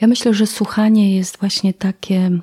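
The sound is dry and close, without echo. The speaker is a woman. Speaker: radio documentary reporter. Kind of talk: interview conversation.

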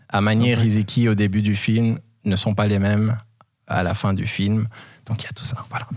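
A man's fairly low voice at a moderate pace, flat and monotone, with long, frequent pauses. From DR Congo. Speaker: filmmaker and actor. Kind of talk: interview.

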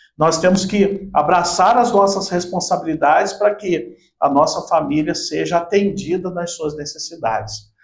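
A high-pitched male voice at a moderate pace, with ordinary pitch variation and hardly any pauses. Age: 50s. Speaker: pastor. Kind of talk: religious talk show. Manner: halting, with repeated words.

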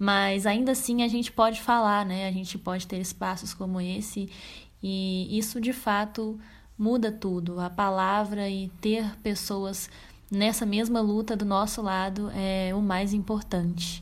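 Pitched in the medium range, a woman speaks at a fairly slow pace. Her intonation is monotone and flat. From Brazil. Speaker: former exchange student. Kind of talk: recorded personal testimony.

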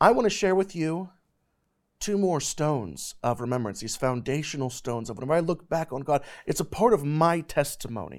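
On a very clean recording with a silent background, a man speaks in a normal speaking voice at a fairly high pitch and fairly quick pace, with lively intonation. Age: 30s. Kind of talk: ministry talk show, testimony.

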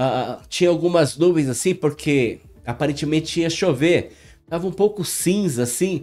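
A normal speaking voice from a man, fairly high in pitch, fairly slow, with ordinary pitch variation, on a very clean recording with a silent background. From Brazil, Ferraz de Vasconcelos, greater São Paulo. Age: 40s. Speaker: driver and former city council candidate. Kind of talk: podcast interview. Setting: studio.

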